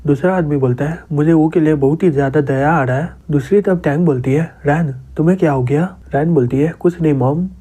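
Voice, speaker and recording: Male narrator, Hindi accent, upper-middle pitch, mellow tone, plain storytelling recap. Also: brisk, few pauses. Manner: plain retelling, quotes read without doing voices. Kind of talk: storytelling recap, reading character lines in his own voice.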